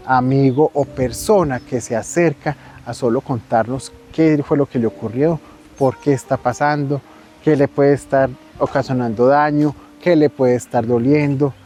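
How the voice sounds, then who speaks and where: A man's voice: medium pitch, warm tone. A man giving a conversational mental health talk, often acting out quoted voices. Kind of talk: casual advice talk on local TV.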